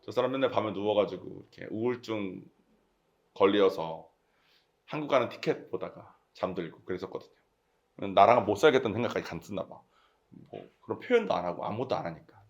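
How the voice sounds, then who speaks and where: A man's voice: fairly low pitch, lively intonation, fairly quick, lo-fi sound. A talkative man with a Gyeongsang accent, preaching a casual, conversational sermon and often checking in with his congregation. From Gyeongsang region, South Korea.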